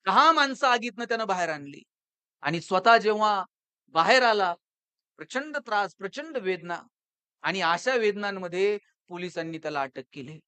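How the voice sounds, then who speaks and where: A man giving a motivational public lecture, telling stories and asking the audience rhetorical questions, swinging between loud and hushed delivery. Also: high voice, animated, moderate pace, clean tone, no echo. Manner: rhetorical questions and storytelling, rises and drops in loudness.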